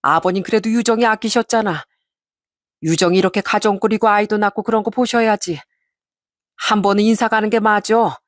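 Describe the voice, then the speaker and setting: Woman narrator as a gentle, coaxing father for an audio story, heard dry. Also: medium pitch, fairly even intonation, a little fast, no room sound, close to an everyday voice. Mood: persuasive. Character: kind, warm-hearted father-in-law, middle-aged.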